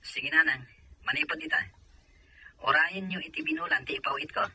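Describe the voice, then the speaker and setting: An earnest soldier son with a Filipino accent played by a man, calling home in an audio drama. His voice is husky yet very sharp and dry, through a telephone effect. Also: sits high, wildly swooping pitch, brisk, dry recording, exaggerated voice, poor audio. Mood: pressing. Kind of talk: Ilocano audio drama acting.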